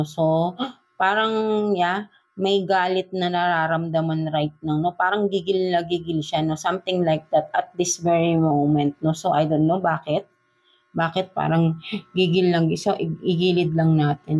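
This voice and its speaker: Slow, low-voiced Filipino woman reading tarot. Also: a little mellow. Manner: chatty, slow, filler-heavy Taglish with frequent "no?" and "right?" tags. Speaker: tarot reader.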